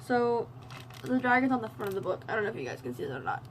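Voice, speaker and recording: Young woman reading aloud in a monotone. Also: a little high, quick pace, slight background noise, rough recording. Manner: reads passages aloud with slips and restarts; monotone delivery. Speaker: book reviewer. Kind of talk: reading aloud and casual book review.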